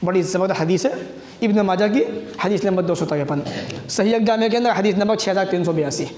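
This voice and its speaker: A man's voice: high-pitched, a little fast, darkish tone. A man preaching a religious sermon, asking rhetorical questions, quoting hadith in Arabic and calling his listeners brothers. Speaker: Islamic preacher. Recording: echoey room, faint background noise.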